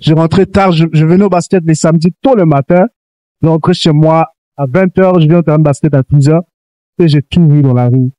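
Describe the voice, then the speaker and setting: A man's voice: on the high side, a little fast, warm tone, dry recording. A man hosting a Christian youth talk show, speaking earnestly and exhorting young listeners, with many restarts. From grew up in Canada. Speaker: host.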